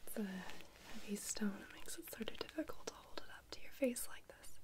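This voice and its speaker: A woman's voice: a little high, a little fast. Whispering young woman, ASMR role-play. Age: 20s. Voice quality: breathy, unvoiced whisper. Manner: soothing, reassuring, gentle. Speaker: ASMR creator playing an eye-clinic practitioner.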